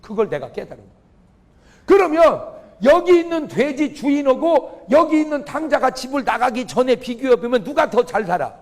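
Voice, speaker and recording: Animated high-voiced male pastor preaching. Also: normal speed. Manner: humorous, questioning the audience, exclamatory. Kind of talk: revival sermon with audience call-and-response. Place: church or large auditorium before a congregation.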